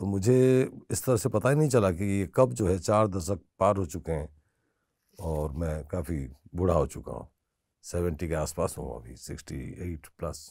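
Speaking with a very deep, low pitch and vocal fry, a man leaves long, frequent pauses, his loudness swinging widely, in a dry sound with no echo and a quiet background. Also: lively intonation, moderate pace. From Odisha, India. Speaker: theatre director, actor and drama professor; actor, drama professor. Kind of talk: interview conversation. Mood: calm, reflective. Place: studio. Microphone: lapel.

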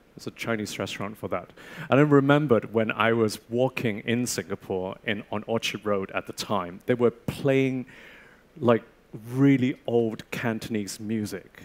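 A man speaks at a moderate pace with fairly even intonation. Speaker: architect. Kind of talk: panel discussion. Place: stage. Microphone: headset.

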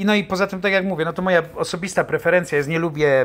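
A man with a Polish accent talks at a very fast pace. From Poland. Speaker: vlogger. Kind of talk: food vlog narration. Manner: halting. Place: cafe. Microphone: phone near.

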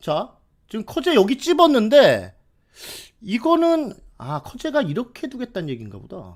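Extremely high-pitched man in an animated tone, very wide pitch swings and long, frequent pauses, on a very clean recording with a silent background. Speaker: go commentator. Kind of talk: live game commentary. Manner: fast.

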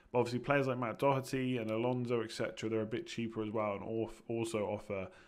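Speaking very fast, a man uses ordinary pitch variation. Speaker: fantasy football analyst. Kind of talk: commentary.

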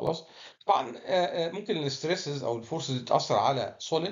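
Speaking at a moderate pace in an Egyptian accent, a man with a fairly high pitch sounds somewhat breathy. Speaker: engineering lecturer. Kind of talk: lecture. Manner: halting, many fillers.

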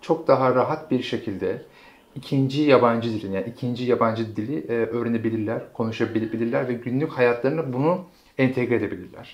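This man's voice sits at a medium pitch with ordinary pitch variation. He speaks at a fairly quick pace. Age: 30s. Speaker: preschool founder and teacher. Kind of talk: interview. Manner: halting, many filler sounds. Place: office.

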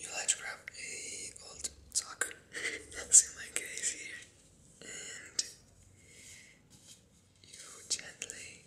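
At a very slow pace, the voice whispers with long, frequent pauses. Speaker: ASMR creator. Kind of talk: ASMR tutorial. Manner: whispered. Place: home room.

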